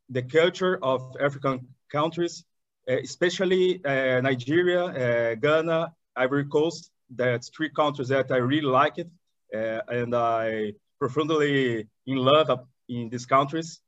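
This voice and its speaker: A man with a Brazilian accent talks with eager warmth about his work, often pausing and restarting his sentences. His voice sits in an ordinary pitch range. The recording is dry and slightly muffled. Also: no echo. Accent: Brazilian Portuguese. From southern Brazil. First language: Portuguese. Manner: enthusiastic, halting with many restarts. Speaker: guest, chamber of commerce director. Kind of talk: podcast interview.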